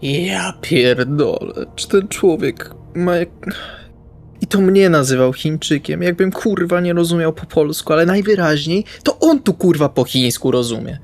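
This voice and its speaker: A man's voice: a little high, animated, measured pace. A man playing a blunt, jaded but protective ex-military vampire who swears, in an improvised roleplay audio drama. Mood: exasperated.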